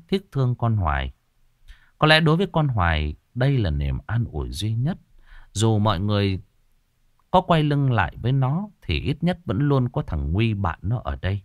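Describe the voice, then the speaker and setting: A man narrating a ghost story in a dramatic, expressive way. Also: on the low side, no echo, clean studio sound.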